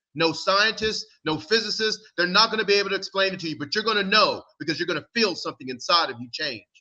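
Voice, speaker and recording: A man with a high, bright, sharp voice speaks in a raised, projected way at a very fast pace with hardly any pauses. His tone is animated, with ordinary pitch variation. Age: 60s. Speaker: fitness and life coach. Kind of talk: podcast interview.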